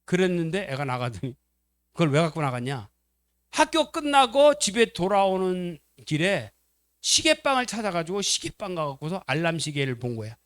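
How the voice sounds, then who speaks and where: A male pastor gives a family-life sermon in a church, spinning animated stories and quizzing his congregation as he goes. His voice sits high for a man, and the sound is close and dry. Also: moderate pace, no room sound. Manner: animated storytelling, acts out quotes, questions the congregation.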